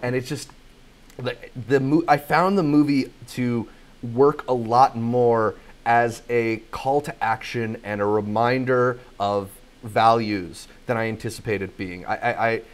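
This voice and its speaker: A man's voice: medium pitch, steady tone, measured pace. A young man hosting a casual podcast chat, introducing news segments and talking through his opinions. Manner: leads segments, reads news items smoothly. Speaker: podcast host.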